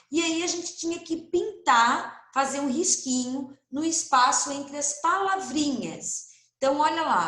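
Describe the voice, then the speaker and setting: A woman's voice: sits high, fairly bright tone, echoey room. A woman with a Brazilian Portuguese accent, teaching first graders in a recorded online class, patient and stretching words out for young children.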